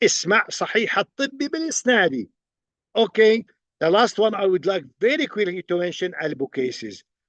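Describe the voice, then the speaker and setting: With an Arabic accent, a man talks at a moderate pace in a high pitch, the sound dry and close with no echo. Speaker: professor. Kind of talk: lecture.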